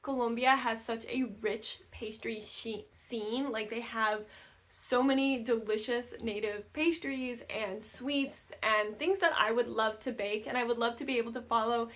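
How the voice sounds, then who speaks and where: A young woman talks to camera at home about learning languages. Her voice sits fairly high, and she speaks in a chatty, loose way, full of "like" and restarts. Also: steady tone, measured pace, a bit bright. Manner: chatty, with many fillers and restarts. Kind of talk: casual talk to camera. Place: new house, room not yet decorated.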